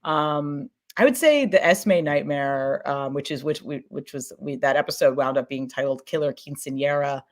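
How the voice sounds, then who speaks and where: A woman podcast producer talking casually on a panel in an effusive, excitable, informal way. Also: sits low, normal speed, hardly any pauses. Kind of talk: casual conference panel talk.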